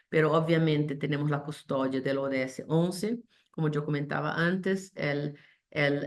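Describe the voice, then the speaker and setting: A woman with a low, gravelly voice presents to an online panel over a video call. Spanish is not her first language, and she talks haltingly, full of fillers, restarts and slipped-in English terms. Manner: hesitant, many fillers and restarts, code-switches English terms. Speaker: panel speaker.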